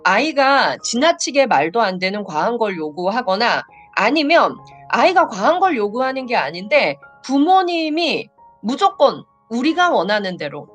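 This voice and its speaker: Animated woman lecturer, lively high voice. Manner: animated, emphatic, acts out example dialogues and repeats points; frequent affirming "yes" fillers. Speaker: lecturer on family communication. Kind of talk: live lecture.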